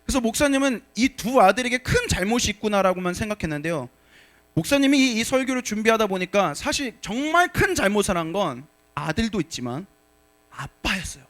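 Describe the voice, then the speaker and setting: A male pastor delivering a sermon in a high, lively voice that swings widely in pitch. He reads scripture calmly, then presses his point with sudden bursts of emphasis. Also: fairly quick. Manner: animated, shifts from quiet reading to shouted exhortation. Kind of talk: sermon to a young adult congregation.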